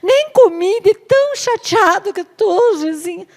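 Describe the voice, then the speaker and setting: A woman's voice: very high voice, animated, voice pushed up, full character voice. A woman with a Brazilian accent voicing a sulking, whining biblical king who pouts and complains. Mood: whiny. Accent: Brazilian Portuguese. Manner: whining, pouting, drawn-out complaints. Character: sulking whiny biblical king, grown man.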